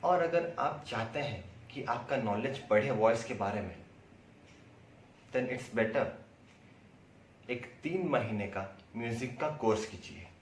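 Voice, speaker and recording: A man's voice: medium pitch, animated, slow, pauses often. A man with an Indian accent giving an instructional lecture, explaining things by asking questions and answering them himself. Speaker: acting instructor. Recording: roomy echo, distant mic, faint noise.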